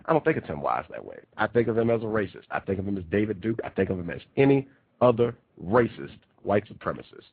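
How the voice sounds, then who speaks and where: A very low-voiced male radio host, nasal and congested from a cold, hammers his points home with repetition. His voice is husky and dry. It comes through a thin, phone-like line. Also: very animated, fast talker, no echo. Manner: emphatic, repeats key phrases. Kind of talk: talk radio monologue. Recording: tinny phone-line quality.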